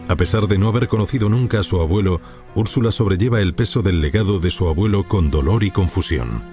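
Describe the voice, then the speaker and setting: A man reading scripted documentary narration in a measured, solemn way. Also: deep voice, dark tone. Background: music.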